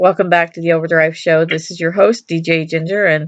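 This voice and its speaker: In a dry, close sound with no echo and a quiet background, a woman speaks with a Michigan accent. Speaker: radio host. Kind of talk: radio interview.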